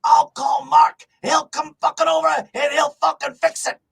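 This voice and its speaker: A man voicing a gruff old mafia-sounding male booze distributor, loud and swearing. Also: very high voice, level tone, normal speed, pitched above the performer's own voice, exaggerated voice. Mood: emphatic.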